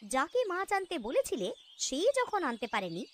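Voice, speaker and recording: A woman's voice: high-pitched, wildly swooping pitch, normal speed, slight background noise. A woman voicing a bossy, scolding wife in a cartoon story, insistent and nagging. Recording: music under the voice. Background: music.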